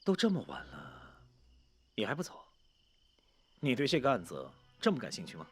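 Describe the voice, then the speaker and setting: Cool, animated police detective. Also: male voice, medium pitch, moderate pace, breathy edge, faint music behind. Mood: teasing, probing. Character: cool, teasing, self-assured male police detective. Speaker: actor playing a police detective. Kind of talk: Chinese period TV drama acting.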